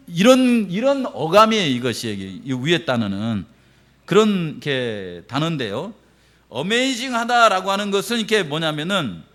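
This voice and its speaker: Animated and laughing often, a middle-aged man preaches as pastor with a high-pitched voice, acting out the quoted reactions of others.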